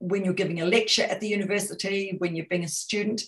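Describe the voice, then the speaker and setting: A woman with a New Zealand accent speaks in a somewhat breathy voice. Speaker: communication consultant. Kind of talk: webinar talk. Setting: video call. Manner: natural, conversational.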